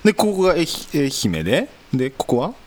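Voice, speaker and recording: A man hosting a podcast in casual chat, relaxed and teasing, with a light lilt. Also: on the high side, a little fast. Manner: relaxed, teasing, lively banter. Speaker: podcast host. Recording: faint hiss.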